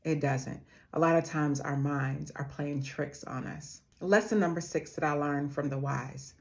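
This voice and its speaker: A woman with a notably deep, low-pitched voice delivers a motivational talk straight to her viewers. She speaks earnestly and addresses them like family. She slows down to repeat her key phrases for emphasis. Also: steady tone, vocal fry, darkish tone. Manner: calls her audience "family".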